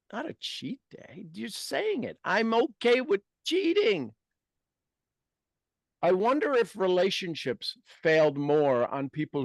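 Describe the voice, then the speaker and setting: A man in his fifties leads a motivational group session, pressing his points with emphasis and repeating key phrases. His voice sits a little high, and the sound is close and dry. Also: dry recording. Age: 50s. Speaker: host and coach.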